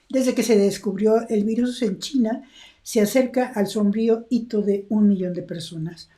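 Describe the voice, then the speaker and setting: Female co-host, very dark mellow tone, calm news reading. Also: medium pitch.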